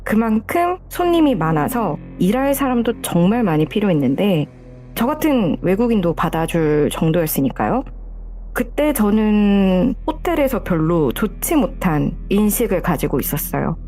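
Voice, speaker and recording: A woman from South Korea who calls in to tell her own true horror story, narrating it in a calm, measured way. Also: mid-range voice, faint music behind. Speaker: caller sharing her story.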